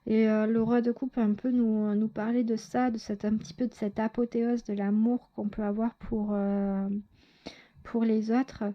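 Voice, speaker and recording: A woman's voice: fairly high pitch, little pitch movement, moderate pace, muffled recording. A woman giving a casual tarot reading to her viewers, talking hesitantly with lots of fillers and self-corrections. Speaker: tarot reader.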